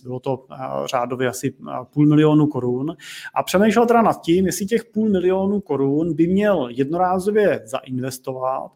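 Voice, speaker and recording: A man's voice: a little high, a little mellow. A man hosting a podcast, explaining investments in a casual way with many fillers. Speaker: podcast host.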